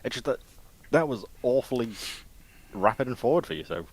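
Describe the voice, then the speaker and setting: A man chatting casually as a panelist, phrasing his thoughts in a halting, thoughtful way. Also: medium pitch, expressive, husky, low-quality recording.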